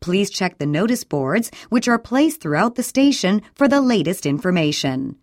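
A woman's voice: mid-range voice, very animated, darkish tone, no room sound, studio quality. Woman giving a formal station announcement. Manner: measured and formal, with careful enunciation. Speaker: recorded station announcer for listening practice. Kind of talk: scripted public announcement.

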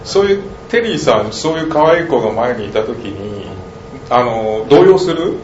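A man's voice: medium pitch, lively intonation, moderate pace. A man asking the co-host curious questions in a casual chat. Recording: roomy, dull and faintly noisy.

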